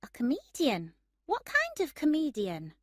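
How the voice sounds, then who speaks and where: A woman's voice: high-pitched, wildly swooping pitch, unhurried, no echo, pitched above the performer's own voice, exaggerated voice. A woman reading the lines of a tired young waitress with a dry, weary wit. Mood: curious. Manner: weary, questioning.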